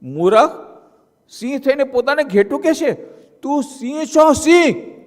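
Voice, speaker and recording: A man voicing a big, proud male lion who scolds and commands in a loud, roaring tone, recorded in a large hall with long reverb. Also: extremely high pitch, lively intonation, unhurried, pitched above the performer's own voice. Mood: scolding.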